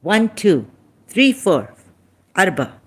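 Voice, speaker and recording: A woman with a Pakistani accent and Sindhi as her first language, giving an informal religious talk in halting, broken English with many restarts, tired and soft-spoken as she goes on. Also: mid-range voice, sing-song, husky. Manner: tired, winded and soft-spoken in later part. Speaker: religious commentator.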